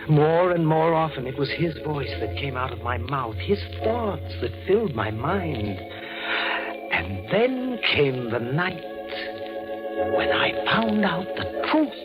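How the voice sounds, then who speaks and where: An old, muffled radio horror recording with music behind. an unhinged, vengeful young son, high and husky, who both narrates and lives his story with melodramatic intensity. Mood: brooding, haunted. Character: tormented, unhinged young man, son avenging murdered father. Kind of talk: 1940s radio horror acting.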